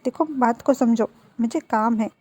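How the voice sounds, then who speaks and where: A woman's voice: on the high side, a little slow, a little mellow, no echo. A woman voicing a cold, impatient young man who answers curtly. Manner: curt, dismissive. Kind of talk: storybook dialogue read by a narrator.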